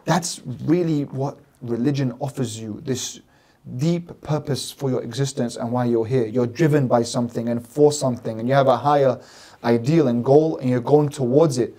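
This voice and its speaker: This podcast guest is a religious scholar in his thirties from London, with a warm, dark tone at medium pitch and normal speed. He gives emphatic, earnest explanations, repeating phrases in lists. The setting is a small studio with plants and a desk mic on a stand.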